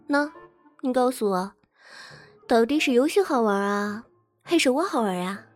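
A woman's voice: on the high side, lively intonation, a little slow, soft background music. A woman voicing a playful, bratty young girlfriend who teases and pouts in a coy, whiny way. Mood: teasing scold. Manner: coy and teasing, whiny pouting. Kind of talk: audio role-play drama.

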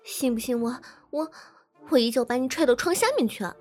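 A woman's voice: on the high side, brisk, a little mellow, faint music behind, close to an everyday voice. A woman voicing a playful, bratty young girlfriend who teases and pouts in a coy, whiny way. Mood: teasing scold. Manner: coy and teasing, whiny pouting. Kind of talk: audio role-play drama.

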